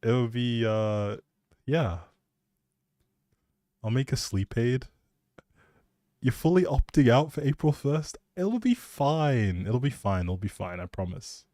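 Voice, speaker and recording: A man's voice: mid-range voice, animated, slow pace, pauses often, warm tone, dry recording, clean studio sound. A young man rambling casually on a game livestream, playful and jokey as he chats back to viewers. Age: young adult. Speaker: live streamer and audio creator.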